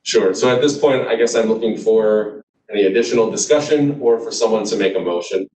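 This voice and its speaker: Low-voiced man chairing a board meeting. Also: a little mellow. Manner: measured, formal, procedural. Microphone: video call. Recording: echoey distant video-call audio.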